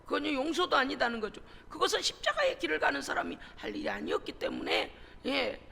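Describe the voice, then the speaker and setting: A woman's voice: sits high, creaky, a bit bright. A woman pastor preaching a fervent sermon in a church sanctuary, breaking in with amens and hallelujahs. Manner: impassioned, punctuated with amens and hallelujahs. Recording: reverberant church hall.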